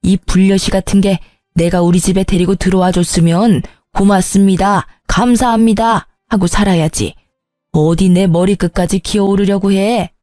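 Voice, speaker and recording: A woman's voice: medium pitch, steady tone, normal speed, dark tone, no echo, clean studio sound, faint music behind, close to an everyday voice. A woman voicing a spiteful, whiny grown sister-in-law who screeches and pleads. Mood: venomous.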